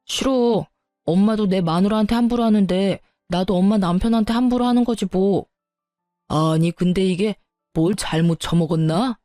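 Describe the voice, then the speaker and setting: A woman voicing a young husband who loudly takes his wife's side against his mother. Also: mid-range voice, moderate pace, no echo, studio quality, faint music behind, natural voice. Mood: defiant. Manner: loud, indignant, pleading with his mother. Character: hot-tempered young husband defending his wife. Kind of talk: audio drama story reading.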